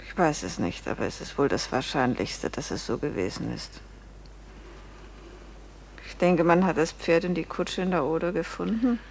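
Cool guarded wife in a radio play, low creaky voice, terse and defiant, bit of hiss. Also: female voice, expressive, moderate pace, rough recording. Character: guarded, cool innkeeper's wife under questioning. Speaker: actor in a radio crime drama. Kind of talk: German radio play acting.

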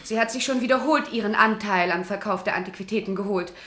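A woman's voice: medium pitch, quick pace, fairly bright tone, a little hiss or hum, close to an everyday voice. A woman playing a cultivated, proud villa employee in a German radio crime play, confessing in an articulate, formal, self-justifying way. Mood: explaining, proud. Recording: roomy, echoing studio sound.

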